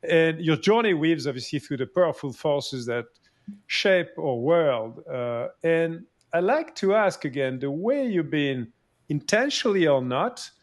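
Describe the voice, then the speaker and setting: A male podcast host with a voice a little above the usual pitch for a man. He asks long, looping questions and fills his guest's answers with short yeahs and yeses. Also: lively intonation, unhurried. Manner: rambling questions with many "yeah" and "yes" backchannels. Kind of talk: interviewer asking questions.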